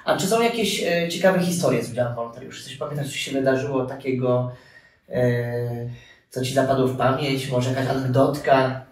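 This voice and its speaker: A man's voice: medium pitch, a little fast. 30s guy hosting a chat, asks stuff, talks to viewers, echoey room, mic far away. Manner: addresses the audience directly, some fillers. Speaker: interviewer, webinar host. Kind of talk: hosted interview. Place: room with armchairs and radiator, indoors.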